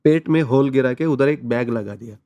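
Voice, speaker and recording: A man's voice: medium pitch, normal speed, mellow, no echo. A man, telling a personal story as an interview guest in an earnest, conversational way. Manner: earnest storytelling, mixes in English words.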